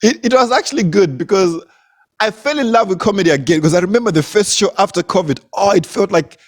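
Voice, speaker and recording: A man's voice: high-pitched, fast. A young man from Zimbabwe, a comedian, telling stories in casual conversation, laughing often and repeating words as he goes. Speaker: comedian, guest.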